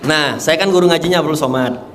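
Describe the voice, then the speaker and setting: Against heavy background noise, a young adult man with a fairly high voice talks at a quick pace. He delivers an animated testimony to a live audience, emotional and emphatic, with frequent laughter.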